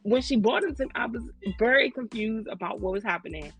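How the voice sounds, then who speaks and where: A woman's voice: fairly high pitch, expressive, a little fast, slightly rough, soft background music, low-quality recording. A woman in her thirties from Maryland with an African American English accent, telling stories in a casual, slangy, joking way as a podcast host. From Maryland, United States. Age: 30s. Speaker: podcast co-host, lactation consultant. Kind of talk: casual conversational storytelling.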